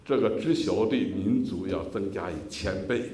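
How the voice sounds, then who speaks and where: A man's voice: deep voice, normal speed, mellow. An impassioned male preacher from China gives his testimony in an echoey school hall. He calls out hallelujahs and amens as he speaks. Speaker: guest preacher giving testimony.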